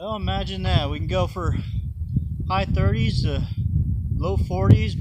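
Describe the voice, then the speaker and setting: Loud background noise fills the recording. A man talks through it. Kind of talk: casual vlog chat. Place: garden.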